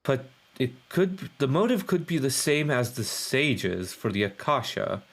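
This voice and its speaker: A man's voice: medium pitch, sing-song, unhurried. A man chatting casually over gameplay as a streamer, musing aloud and circling back over phrases. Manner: musing, repeats phrases, hesitant. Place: live stream with game audio behind.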